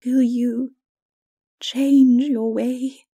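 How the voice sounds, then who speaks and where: A woman voicing a grave, gentle woman of sorrow in a dark fantasy audiobook, speaking slowly and solemnly. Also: fairly high pitch, level tone, dry recording, pitched above the performer's own voice, heavily acted. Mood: gently pleading. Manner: gentle, slow, solemn, partly breathy.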